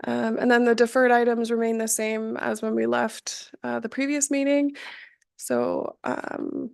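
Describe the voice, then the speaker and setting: A woman speaking in a slightly high but gravelly voice, hoarse from being sick, walks through budget slides at a public council meeting. She is halting and apologetic, with many ums between points. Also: lively intonation. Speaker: municipal finance staff presenting budget. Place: council chamber.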